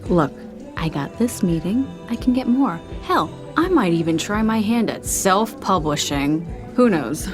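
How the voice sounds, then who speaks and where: A woman's voice: medium pitch, lively intonation, measured pace, over music, lightly acted. An actress playing a stubborn, reluctant young woman writer in an audio drama, wry and earnest, with a dry, understated manner. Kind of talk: naturalistic audio drama acting.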